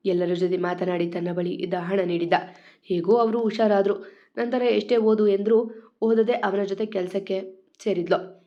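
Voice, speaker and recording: A woman storyteller reading a scripted love story in a steady, dramatic way. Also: medium pitch, lo-fi sound.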